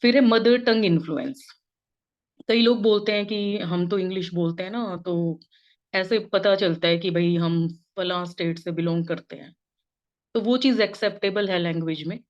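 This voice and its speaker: A woman's voice: lowish voice, moderate pace. A woman from India with a Hindi accent, an English lecturer giving an informal spoken lesson and mixing English phrases into her explanations. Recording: dull lo-fi recording.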